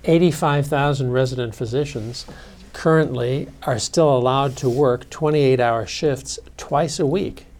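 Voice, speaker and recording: A man on a panel who researches sleep, speaking briskly and citing data. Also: medium pitch, a little mellow. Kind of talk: panel discussion.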